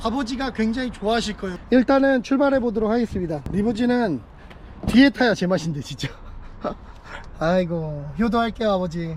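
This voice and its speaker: Noticeable background noise accompanies a man speaking. His voice is high-pitched, his pace fairly quick and his intonation lively. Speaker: car YouTuber. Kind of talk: vlog. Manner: animated.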